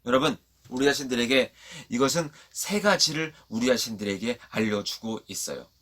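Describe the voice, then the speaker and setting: A man preaching a children's sermon, telling a Bible story in a lively way, asking the kids questions and having them repeat lines after him. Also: medium pitch, moderate pace. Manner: animated storyteller. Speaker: children's pastor.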